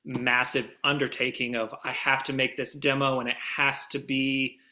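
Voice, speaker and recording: A man with a bright, forceful voice at a medium pitch talks as an interview guest. He explains things casually, slipping in playful asides. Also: flat delivery, normal speed. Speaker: demo producer, interview guest.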